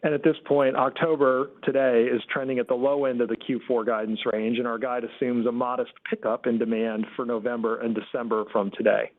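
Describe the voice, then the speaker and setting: A man's voice: medium pitch, level tone, a little fast, few pauses. Careful male finance executive, phone-like sound. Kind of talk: formal earnings call answer on financial guidance. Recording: narrow tinny conference phone line.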